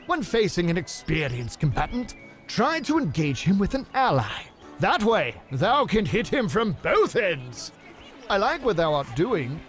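A high, pompous medieval knight. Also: male voice. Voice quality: high, theatrical voice with mock-archaic speech. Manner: grand, innuendo-laden pronouncements. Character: pompous, bawdy medieval knight, grown man. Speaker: video game voice actor. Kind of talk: video game voice line reel.

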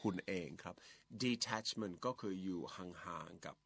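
A man's voice: sits low, slow, vocal fry, a bit bright. A man co-hosting a casual bilingual radio chat, patiently explaining words and spelling them out letter by letter. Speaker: radio co-host teaching English.

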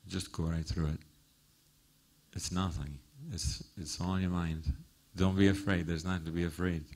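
On a small theater stage, a middle-aged man is interviewed and takes audience questions, speaking earnestly into a handheld mic before a live crowd. He offers warm encouragement and laughs easily, his low voice level and moderately paced, though the audio is poor.

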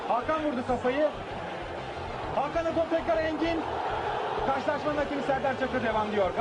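A man calling a football match live on television in an excited, raised voice, with urgent short phrases. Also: extremely high pitch, moderate pace, a loud crowd. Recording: noisy old match broadcast with outdoor ambience.

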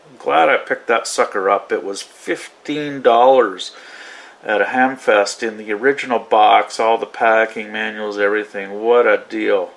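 A man talks casually through a hobby demonstration at a slow pace. He rambles a little, thinking aloud as he goes. It has the loose, informal feel of a home vlog. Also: on the low side, steady tone, creaky, a bit bright. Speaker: radio hobbyist demonstrating receivers. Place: small indoor radio desk.

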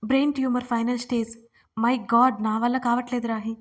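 A woman's voice: on the high side, level tone, fairly quick, lightly acted. Woman voicing a distraught, tearful young woman. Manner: tearful, pleading, shouting. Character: distraught young woman, pleading and scolding her friend.

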